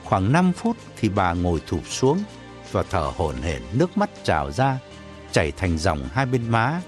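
Lively expressive male storyteller. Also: low voice, measured pace, soft background music. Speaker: narrator. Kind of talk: audiobook narration.

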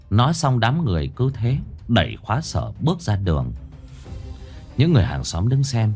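A man narrating a folk ghost story in a dramatic, expressive way. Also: lowish voice.

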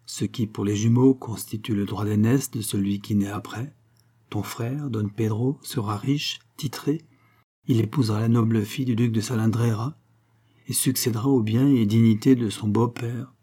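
A man voicing a scheming young gypsy woman in a novel reading, speaking in a low, hushed, mocking way. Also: fairly even intonation, moderate pace, breathy edge.

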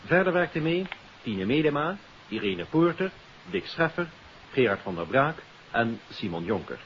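A man announcing on 1950s radio, formally reading out credits in a measured, itemised way. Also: on the high side, sing-song, gravelly. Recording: hissy, dull 1950s radio recording.

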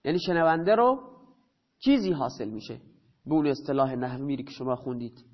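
A man teaching a grammar lesson. He asks his own questions and answers them, and he repeats key terms slowly. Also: medium pitch, expressive. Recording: dull lo-fi recording.

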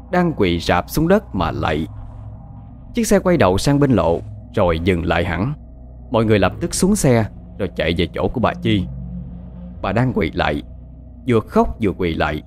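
A man's voice: on the low side, darkish tone. A man narrating a horror story in a dramatic, scripted way.

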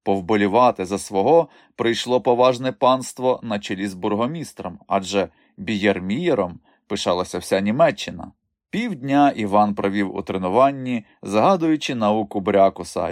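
Male audiobook narrator, low voice, lively expressive delivery, dry close sound. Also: normal speed, no room sound. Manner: expressive storytelling. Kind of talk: scripted narration.

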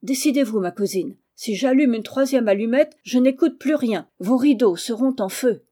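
A woman's voice: on the high side, moderate pace, mellow, close to an everyday voice. A woman reading aloud voices a hot-tempered young orphan boy who speaks up boldly and defiantly. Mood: threatening. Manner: bold, raised voice, defiant.

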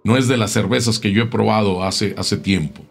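A man telling a local tale in a casual, unhurried way, often repeating words as he goes. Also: fairly low pitch, fairly even intonation, creaky, husky. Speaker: storyteller.

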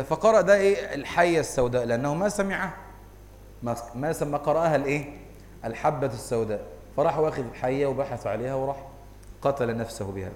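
A man with an Egyptian accent teaching a religious lesson, constantly quizzing his listeners with rhetorical questions. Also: medium pitch. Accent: Egyptian Arabic. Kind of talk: lecture on hadith scholarship. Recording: echoey hall, faint background noise.

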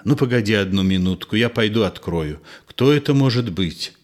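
A man voicing a gentle, soothing older man. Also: fairly low pitch, animated, moderate pace, natural voice. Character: gentle nervous middle-aged man, soothing. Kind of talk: audiobook play reading.

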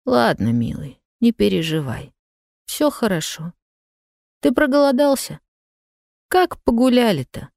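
A woman voicing a calm, elderly great-grandmother comforting a frightened child. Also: on the high side, measured pace, vocal fry, pauses often, dry recording, studio quality, voice pushed up, heavily acted. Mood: soothing. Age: older. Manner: calm, soothing.

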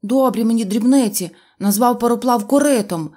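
A woman's voice: on the high side, expressive, darkish tone. A woman voicing a hot-headed little boy who loses his temper easily, in a storybook reading. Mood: angry. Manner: quick-tempered, blustering.

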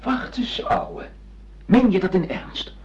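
A man's voice: high-pitched, wildly swooping pitch, takes it slowly, darkish tone, full character voice. A dull radio drama recording of an irreverent young son. He goads with brash lines and a widely swinging intonation. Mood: incredulous, mocking. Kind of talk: radio play acting.

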